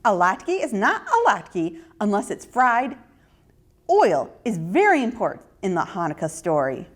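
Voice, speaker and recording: A woman's voice: medium pitch, huge pitch swings, unhurried. A woman voicing a brave, clever little girl in a children's story, speaking politely and persuasively. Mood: insistent.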